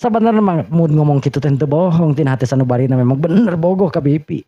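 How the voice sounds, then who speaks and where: A man's voice: on the high side, fast talker, no room sound. A man with a Sundanese accent telling a story in a dramatic bedtime-tale style. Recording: muffled, lo-fi recording.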